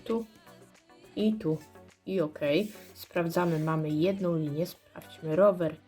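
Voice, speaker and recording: Slow, hoarse woman scratching cards. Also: fairly low pitch, fairly even intonation, warm tone, soft background music. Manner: slow, murmured checking of symbols. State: hoarse, clearing throat. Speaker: scratch card vlogger. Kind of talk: casual commentary while scratching cards.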